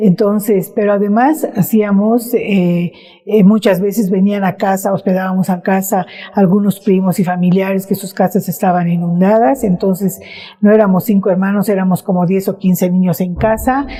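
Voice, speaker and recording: A woman talks at a moderate pace with fairly even intonation. Her pitch sits in the medium range. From Bolivia, Cochabamba. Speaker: retired social worker. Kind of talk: interview. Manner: halting.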